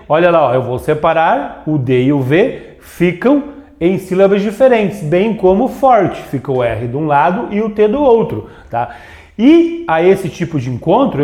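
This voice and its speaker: Lively, echoey teacher at a board. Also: male voice, high-pitched. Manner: explains with frequent "tá?" and "ó" checks; points at examples on the board. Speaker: grammar teacher. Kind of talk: video lesson at a board. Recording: roomy echo.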